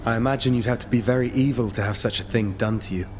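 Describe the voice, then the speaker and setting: An actor playing a resolute, earnest young warrior on a rescue mission in a video game. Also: male voice, medium pitch, quick pace, background noise, close to an everyday voice. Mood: curious. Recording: long reverb, music behind. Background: game music.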